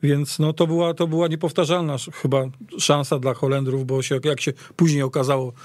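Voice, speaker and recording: A man in a casual sports discussion as a panelist, halting and repeating words mid-sentence, recorded in a radio studio. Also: on the high side, little pitch movement, a little mellow, dry recording. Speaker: football podcast panelist.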